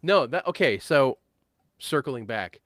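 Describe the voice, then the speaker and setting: A man in his late thirties hosting a casual live-stream chat about guitar tones, easygoing and quick to laugh. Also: medium pitch, animated, fairly bright tone, dry recording, clean studio sound. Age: 30s. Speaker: host.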